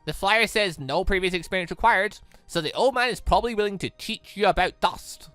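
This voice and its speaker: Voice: medium pitch, fairly quick, a bit bright, no echo, lightly acted. A game streamer voicing a breezy, knowledgeable female hunter who explains the world to a student in a casual, confident way. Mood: upbeat. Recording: music playing under the voice.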